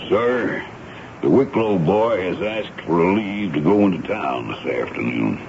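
A man playing a dutiful, suspicious army sergeant in a 1970s radio drama, gravelly, folksy and deferential. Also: deep voice, animated, unhurried, a little mellow, full character voice. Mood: concerned. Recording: noisy, dull 1970s radio broadcast recording.

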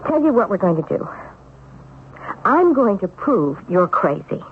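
An actress playing a practical, sceptical but affectionate wife in a 1970s radio drama, speaking in a firm, wry way. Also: female voice, mid-range voice, big pitch swings, a little slow, slight background noise. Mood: brisk, firm. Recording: tinny, muffled old radio recording.

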